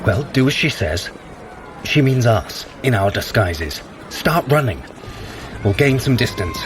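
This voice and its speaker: An actor playing a sly, sardonic trickster god in disguise, wry and dismissive, in a fitness audio drama. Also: male voice, mid-range voice, very animated, measured pace. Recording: clear urban outdoor noise behind.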